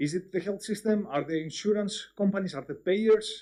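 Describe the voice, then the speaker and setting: A man with a Greek accent speaks at a moderate pace in a high voice with a dark, mellow tone and ordinary pitch variation. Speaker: researcher and engineer. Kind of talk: conference panel talk. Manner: hesitant with many fillers.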